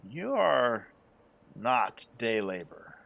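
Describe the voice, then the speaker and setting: A man's voice: mid-range voice, very animated, drawn-out words, gravelly, muffled recording, full character voice. Man playing a suspicious, officious veteran street cop. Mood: suspicious, probing. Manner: questioning, officious.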